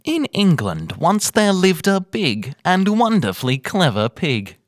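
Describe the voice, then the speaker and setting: A man's voice: high voice, huge pitch swings, measured pace, no echo, clean studio sound, pitched above the performer's own voice, full character voice. A man playing a playful, carefully paced narrator of a children's storybook.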